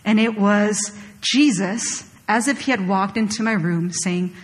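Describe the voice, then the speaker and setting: A young adult woman from Chile preaching a sermon, telling a personal story in a conversational, animated way with casual fillers. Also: medium pitch, measured pace. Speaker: pastor. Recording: long hall reverb.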